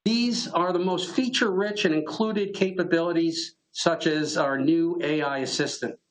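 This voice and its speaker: A man giving a scripted earnings call presentation as a company executive, in a formal, measured business manner. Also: a little high, rough recording.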